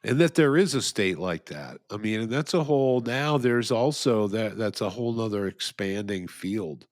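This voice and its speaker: A man's voice: lowish voice, lively intonation, moderate pace, no room sound, studio quality. A man co-hosting a podcast in casual philosophical chat, rambling with frequent restarts and chuckles. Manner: rambling, restarts often, laughs at own jokes. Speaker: podcast co-host.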